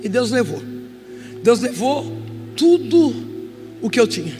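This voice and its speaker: A middle-aged woman with a Brazilian Portuguese accent giving an emotional testimony sermon as a guest preacher, moving from soft confession to loud exhortation. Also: fairly high pitch, very animated, slow. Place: church hall. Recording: reverberant church hall with music.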